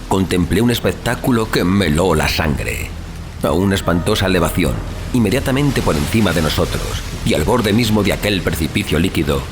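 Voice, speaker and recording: Deep-voiced man narrating horror with expressive swings. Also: noisy background. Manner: solemn, literary, suspenseful delivery. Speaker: storyteller, audiobook narrator. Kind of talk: dramatic scripted horror narration. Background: music.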